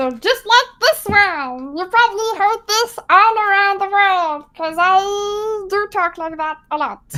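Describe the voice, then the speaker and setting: In a put-on character voice with extremely high pitch, the speaker goes at a fairly slow pace with hardly any pauses. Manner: silly, gibberish-like.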